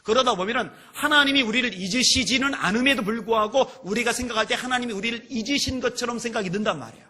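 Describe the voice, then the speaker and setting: A male pastor preaching a sermon with fervor, often rising to shouts. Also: very high-pitched, fast.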